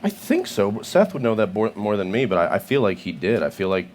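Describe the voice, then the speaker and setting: A man appearing as an actor guest on stage before a live audience, joking and talking in halting bursts with many restarts. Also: fairly low pitch, very animated, darkish tone, slight background noise. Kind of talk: comedic panel banter.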